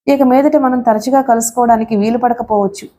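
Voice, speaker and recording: A woman voicing a young wife who speaks quietly but firmly in an audiobook. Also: on the high side, fairly even intonation, a little fast, natural voice. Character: young wife, calm, firm, secretive.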